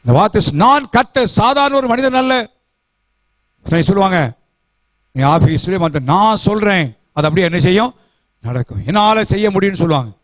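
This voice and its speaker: A man's voice: high-pitched, expressive, normal speed, pauses often, no room sound. A man preaching a Sunday sermon as pastor, emphatic and rhythmic, asking the congregation questions and repeating key words. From South India. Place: church.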